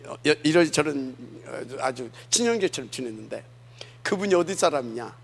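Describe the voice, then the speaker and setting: A male pastor from Jeolla, South Korea, preaches in a church sanctuary in a mid-range, sing-song, gravelly voice, speaking a little fast over a bit of hiss or hum. His sermon is conversational, full of rhetorical questions for the congregation.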